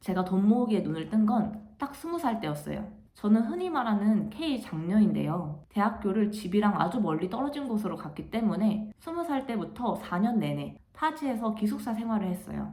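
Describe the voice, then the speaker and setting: Against noticeable background noise and audible room echo, a woman with a fairly high pitch speaks at a moderate pace with lively intonation and hardly any pauses. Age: 20s. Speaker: personal finance vlogger, office worker. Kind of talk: personal vlog narration.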